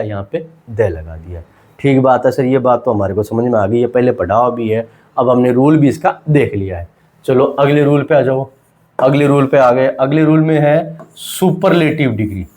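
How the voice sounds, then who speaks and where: This English teacher has a mid-range, darkish voice. During a grammar lesson in class, he poses rhetorical questions and plays the part of his students, asking their questions aloud before answering them.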